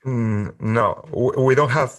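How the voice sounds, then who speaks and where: In a casual interview, a Spanish man in his forties, a music producer from Spain, speaks English as his second language with halting speech, frequent restarts, and easy laughter. He has a medium pitch, and the studio-quality recording has no echo but uses a distant mic.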